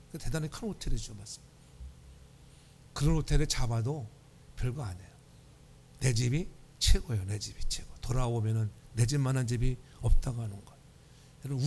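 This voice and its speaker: A man's voice: mid-range voice, lively intonation, fairly quick, pauses often, slight background noise. A man preaching a Sunday sermon in a church, telling humorous stories and asking the congregation for responses. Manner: humorous storytelling. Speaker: pastor. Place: church sanctuary.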